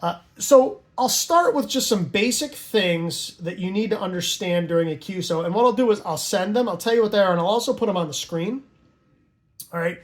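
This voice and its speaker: A man with a noticeably high voice teaches in an informal tutorial style. He talks conversationally, like a hobbyist explaining things to newcomers, and often adds short tags to make sure the listener is following. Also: animated, fairly quick. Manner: conversational, checks understanding with tags like "right?" and "okay?". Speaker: amateur radio hobbyist teaching Morse code.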